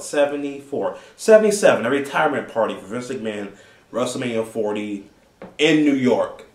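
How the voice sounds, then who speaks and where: A man's voice: mid-range voice, darkish tone. A man in his twenties hosting a casual solo commentary, rambling and laughing often between thoughts. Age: 20s. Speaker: host. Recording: roomy, distant from the mic.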